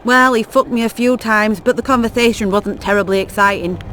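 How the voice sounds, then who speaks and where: A woman's voice: on the high side, a little fast, fairly bright tone, natural voice. A woman voices a crude brothel whore who mocks and teases in blunt, foul language. The game scene plays with faint music underneath. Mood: crude, mocking. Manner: coarse, blunt, mocking. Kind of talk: video game dialogue.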